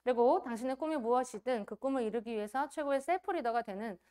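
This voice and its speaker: A woman giving a motivational business training talk, animated and acting out quoted voices. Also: a little high, fast talker, clean tone.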